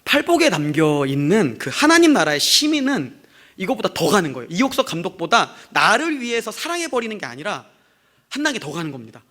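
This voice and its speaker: A man's voice: high-pitched, big pitch swings, fairly quick, a bit bright. A man preaching a sermon as a pastor to his congregation in church, in a conversational way with rhetorical questions. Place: church sanctuary.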